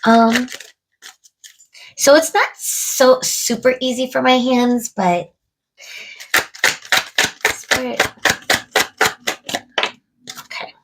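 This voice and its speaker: A woman's voice: high voice, fairly even intonation, very slow, pauses often, background noise. A woman reading tarot cards aloud, musing to spirit and viewers, a little stuffed up from a cold. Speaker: tarot reader. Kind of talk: casual tarot card reading to camera.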